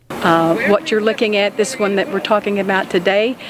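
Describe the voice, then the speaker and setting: A woman speaks with fairly even intonation. The sound is dry, with no echo, but noticeable background noise is present. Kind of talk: interview answer. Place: street.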